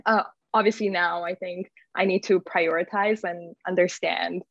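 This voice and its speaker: A woman's voice: fairly low pitch, fairly even intonation, normal speed, gravelly. A woman giving informal, rambling conversational answers as an interview guest, often dropping in "like". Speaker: guest, community founder. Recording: echoey room, slightly dull audio.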